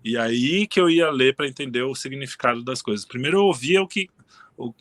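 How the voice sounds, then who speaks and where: A man talks in a relaxed, meandering way, often stopping to restart his sentences. His voice is bright and forward. The sound is dry and close. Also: mid-range voice, brisk, no room sound. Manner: relaxed, rambling, frequent restarts and fillers. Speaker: interview guest. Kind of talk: casual conversation.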